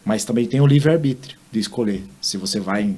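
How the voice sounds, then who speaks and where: A man speaking as a guest on a podcast interview, explaining his work as a therapist in a calm way. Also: on the low side, brisk. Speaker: interview guest, physiotherapist and hypnotherapist. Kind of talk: conversational interview.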